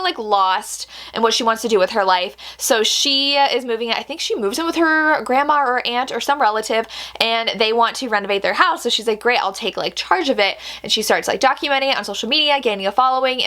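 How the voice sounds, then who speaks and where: A woman's voice: a little high, fairly bright tone. A woman talking casually as a booktuber, gushing enthusiastically about her picks and peppering her speech with "like" and emphatic repeats. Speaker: book reviewer, booktuber. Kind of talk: casual booktuber vlog, chatty recommendations.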